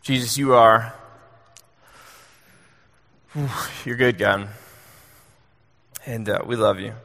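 A young adult man preaching a sermon in a church, earnest and halting, with many fillers and restarts. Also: medium pitch, creaky, sharp tone. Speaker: pastor. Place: church sanctuary. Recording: long hall reverb.

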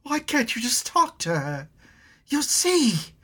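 A man's voice: very animated, measured pace, a bit bright, slightly rough, exaggerated voice. A man doing a desperate young tribal woman. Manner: pleading, rising to shrill cries.

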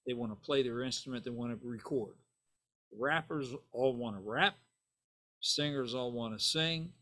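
A man's voice: mid-range voice, fairly bright tone. Older man with Italian roots, rambling. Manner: rambling, tag questions like "right?" and "you know". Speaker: bassist guest. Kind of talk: casual interview storytelling.

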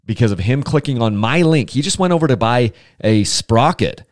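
A man's voice: medium pitch, lively intonation, normal speed, no room sound, studio quality. Chatty, rambling podcast host man. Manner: chatty, rambling, enthusiastic with restarts. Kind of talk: casual solo podcast.

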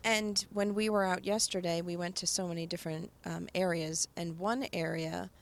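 A woman's voice: lowish voice, flat delivery, normal speed. A woman interviewer who responds sincerely and affirmingly, with hesitant fillers. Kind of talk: casual interview conversation.

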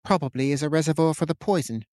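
A man voicing an earnest, quick-tempered young healer, raising his voice higher. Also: darkish tone, dry recording, clean studio sound, lightly acted. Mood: worried.

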